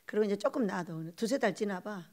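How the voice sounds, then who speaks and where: A woman pastor preaching a sermon in an animated way, acting out quoted voices and laughing often. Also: medium pitch, a little fast.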